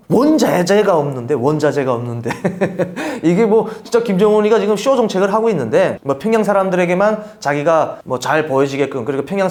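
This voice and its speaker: A middle-aged man from North Korea speaks quickly in a casual interview. His pitch rises and falls a great deal, and he often breaks into laughter as he tells his stories. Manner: animated, laughs while telling anecdotes. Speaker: interview guest.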